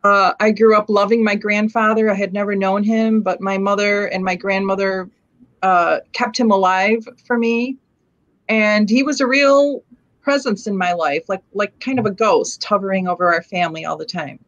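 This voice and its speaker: A woman's voice: mid-range voice, fairly even intonation, moderate pace. Woman, dull muffled audio, video call from home, reflective storyteller. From United States. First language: Lithuanian. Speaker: panelist. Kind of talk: personal testimony on an online panel. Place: home room.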